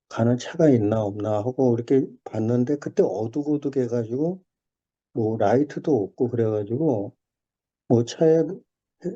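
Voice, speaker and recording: A middle-aged man recounting a personal experience as a testimony, animated and full of restarts, over a video call. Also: medium pitch. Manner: storytelling, animated, with many restarts and fillers. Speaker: church member sharing testimony. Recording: dull lo-fi video call audio.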